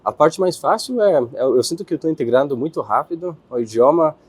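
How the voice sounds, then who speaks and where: A young man from Israel with an Israeli accent, answering interview questions in his second language, pausing and searching for words. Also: a little high, lively intonation, husky, no echo. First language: Hebrew. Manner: hesitant, searching for words, with restarts.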